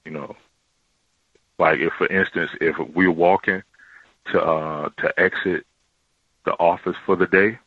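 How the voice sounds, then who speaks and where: A man calling in to describe his workplace, talking in a halting way with many fillers and restarts, in a deep voice. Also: fairly even intonation, husky, no room sound, dull audio. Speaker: caller. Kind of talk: casual call-in account.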